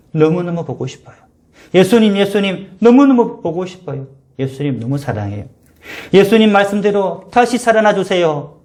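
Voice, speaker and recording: A man's voice: mid-range voice, darkish tone. A male pastor preaching a sermon for a home worship service, earnest and emphatic, building to fervent appeals.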